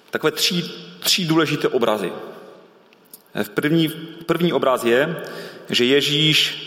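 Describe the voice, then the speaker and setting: A man's voice: medium pitch, a bit bright. A man preaching a sermon earnestly, repeating key phrases and often restarting his sentences. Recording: reverberant hall sound.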